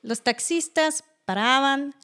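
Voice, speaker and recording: German woman telling stories, lively. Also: takes it slowly. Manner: animated, acts out quoted voices with high pitch jumps. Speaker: guest. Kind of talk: casual interview storytelling.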